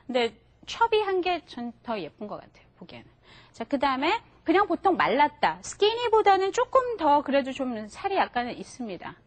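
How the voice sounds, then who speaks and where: Woman teacher, high and bright, lively and patient, models words for the class to repeat. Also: moderate pace. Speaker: English teacher. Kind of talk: classroom lesson for adult learners. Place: TV studio classroom.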